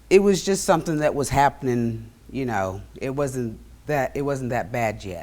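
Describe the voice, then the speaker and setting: Speaking in a very deep, low pitch with very wide pitch swings, a woman talks at a moderate pace. She has a southwest Missouri accent. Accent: Midwestern US (southwest Missouri). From Joplin, Missouri. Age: 50s. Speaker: cultural society president. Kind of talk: casual interview. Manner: halting, with fillers.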